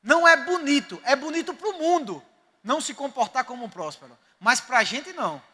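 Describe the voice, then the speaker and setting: A man's voice: very high voice, animated, moderate pace, sharp tone. A man with a Northeastern Brazilian accent, a pastor preaching a sermon and telling stories with emphasis. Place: church sanctuary. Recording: reverberant church hall.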